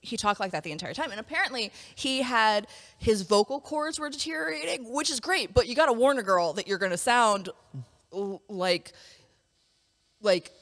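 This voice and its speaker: A woman's voice: a little high, moderate pace, fairly bright tone, in a large hall. A woman in her forties hosting a podcast, talking in a blunt, profane, storytelling way during a casual chat. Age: 40s. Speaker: podcast host.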